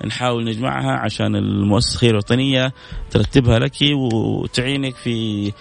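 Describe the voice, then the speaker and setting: On a radio charity call-in show, a male host makes earnest, pleading appeals and keeps repeating blessings into a studio microphone. His medium-pitched voice is creaky, fairly even in intonation, and a little fast.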